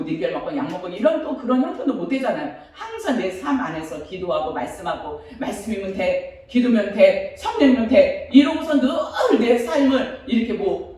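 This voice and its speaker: 높고 생기 있게 오르내리는 목소리로 간증하는 오십대 사모님이에요. 감정이 북받친 듯 열정적으로 말하고 중간중간 자주 웃음을 터뜨려요. 마이크에서 떨어진 채 아주 울림이 큰 교회 예배당에서 녹음되었어요. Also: female voice, fairly high pitch, a little mellow. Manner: fervent, emotional, often breaking into laughter. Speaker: pastor's wife giving testimony. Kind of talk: church testimony. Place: church sanctuary. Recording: very echoey church hall from far off.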